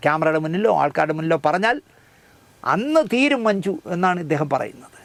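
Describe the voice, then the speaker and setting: A man's voice: sits high, dry recording. A man delivering mocking, scornful commentary on current events, speaking straight to the audience. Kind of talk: satirical commentary.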